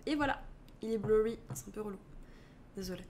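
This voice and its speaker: A woman's voice: mid-range voice, brisk, darkish tone, slight background noise. A young adult woman with a French accent, a streamer chatting casually, reading out and answering chat while switching languages.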